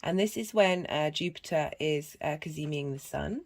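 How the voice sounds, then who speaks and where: A woman with a husky voice and a cough, giving a rambling casual tarot and astrology reading full of fillers and restarts. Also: low-pitched, normal speed. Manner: meandering, many fillers and restarts. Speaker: tarot reader.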